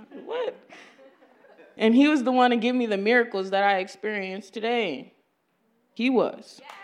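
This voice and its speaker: With a Southern US accent, a woman speaks at a fairly high pitch. Her loudness swings widely, and she leaves long, frequent pauses. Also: ordinary pitch variation, moderate pace. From Memphis, Tennessee. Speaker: recovery program resident. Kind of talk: testimony. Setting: church.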